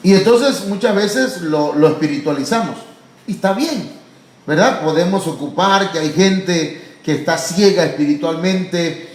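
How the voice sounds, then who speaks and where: A man preaching a sermon as pastor, fervent and often addressing listeners as brother, sometimes rising to loud drawn-out cries. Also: sits high, expressive, echoey room, low-quality recording. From Mexico. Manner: fervent, repeatedly calling listeners "hermano"; rises to loud, drawn-out cries when acting out pleas. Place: church.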